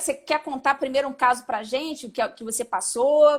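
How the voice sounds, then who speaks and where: Her voice is high and shows ordinary pitch variation. The woman keeps a moderate pace on a very clean recording with a silent background. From Rio de Janeiro. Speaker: live stream host. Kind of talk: casual chat. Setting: Instagram live video.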